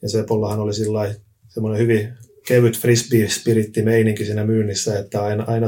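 Somewhat breathy and dark and mellow in tone, a man speaks in a fairly low, flat monotone at a moderate pace. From Finland, Tampere. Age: 40s. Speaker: disc golf entrepreneur and player. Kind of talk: podcast interview.

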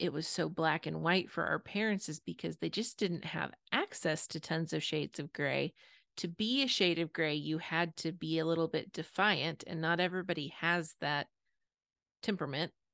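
Against a quiet background, a woman with a fairly low pitch and vocal fry speaks at a moderate pace in a dry, close sound with no echo. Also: fairly even intonation. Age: 30s. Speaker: journalist and author. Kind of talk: interview.

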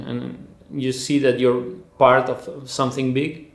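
Speaking at a fairly slow pace, a man has a Spanish accent. The recording carries audible room echo and noticeable background noise. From Argentina. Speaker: web designer and volunteer teacher. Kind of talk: interview answers. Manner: halting, repeats words.

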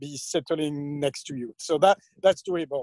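Recorded dry and close with no echo, a man talks at a moderate pace. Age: 50s. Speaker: film producer. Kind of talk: interview.

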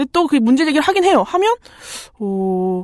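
The speaker talks at a moderate pace. The sound is dry and close, with no echo. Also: woman. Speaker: baker and union branch leader. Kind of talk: interview about labor union struggle. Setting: studio. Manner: halting, many fillers.

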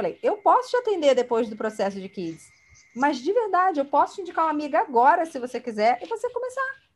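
At a fairly quick pace, a woman speaks at a high pitch with very wide pitch swings. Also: big swings in loudness. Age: 40s. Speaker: parenting coach trainer. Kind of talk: online training webinar.

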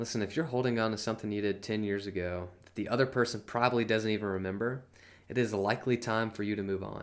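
A man speaks at a fairly quick pace with a fairly low pitch and fairly even intonation, in an unremarkable speaking voice. The recording is very clean with a silent background. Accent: American. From US South, Georgia. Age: 20s. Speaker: health coach, podcast host. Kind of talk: solo motivational podcast monologue.

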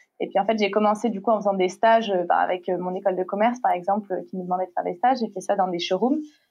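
Rushing at a very fast pace with hardly any pauses, a woman speaks at a medium pitch. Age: 20s. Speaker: entrepreneur, brand founder. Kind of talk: casual interview chat. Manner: hesitant, many fillers.

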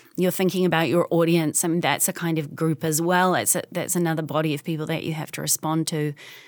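Barely pausing, a woman in a New Zealand accent races along at a very fast pace, her fairly low voice flat and monotone. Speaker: college professor. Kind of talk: casual interview conversation.

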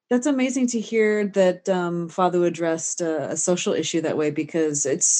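A woman talks at a moderate pace with a fairly low pitch. It is a normal speaking voice, set against a quiet background. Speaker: podcast co-host. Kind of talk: casual chat.

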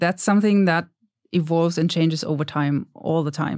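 On a very clean recording with a silent background, a woman with a German accent speaks at a fairly low pitch with ordinary pitch variation. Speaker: knowledge manager at a game studio. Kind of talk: casual chat. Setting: studio.

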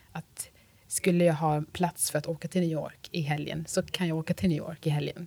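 A woman with a very deep, low pitch speaks in a calm, dark, mellow tone with monotone, flat intonation at a moderate pace. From Sweden, raised from age two; born in Uganda. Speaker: leadership network founder. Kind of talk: casual interview.

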